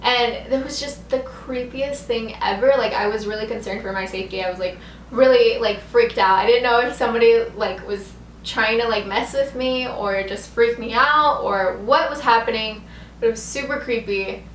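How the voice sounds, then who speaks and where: With a slightly high voice and a moderate pace, a young woman vlogs her way through a rambling, casual story, saying "like" again and again. Echo and background noise fill the room.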